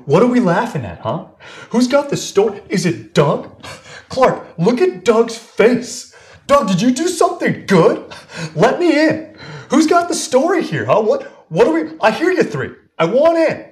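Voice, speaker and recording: A man's voice: big pitch swings, measured pace, full character voice. A man playing a needy, pushy office coworker. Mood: pleading. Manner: loud, pleading, high-pitched. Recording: roomy echo.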